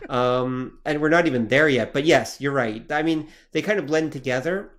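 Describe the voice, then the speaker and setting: A man's voice: medium pitch, normal speed, a crowd in the background. A man co-hosting a podcast in casual chat, agreeable and conversational, hedging a lot as he talks. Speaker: podcast co-host.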